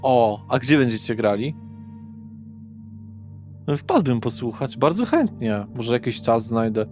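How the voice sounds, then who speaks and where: A man playing a weary, affable middle-aged father who works as a psychologist, chatty and halting, in a tabletop game. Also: mid-range voice, expressive, darkish tone, faint music behind, close to an everyday voice. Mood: friendly, rambling.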